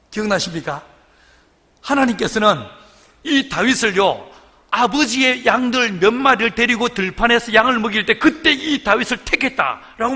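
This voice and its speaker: A man's voice: high-pitched, pushed and bright, husky. A middle-aged man preaching a revival sermon as guest pastor, telling stories with voiced quotes and bursts of laughter. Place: church sanctuary. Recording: long hall reverb in church.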